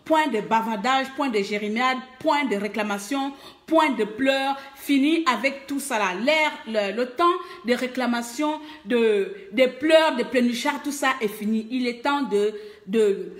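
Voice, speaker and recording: A woman's voice: on the high side, measured pace. Emphatic Gabonese woman in an echoey room. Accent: Gabonese French. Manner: emphatic, hesitant, full of fillers, switches languages. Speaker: activist making a call to mobilize. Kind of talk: live video appeal. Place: abroad, away from home country.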